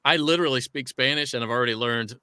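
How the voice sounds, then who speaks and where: A man who works as a voice actor, chatting on a fan Q&A panel and telling stories in an animated, enthusiastic way. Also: mid-range voice, quick pace, clean tone, dry recording. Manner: animated storyteller, talkative and enthusiastic. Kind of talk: casual panel chat.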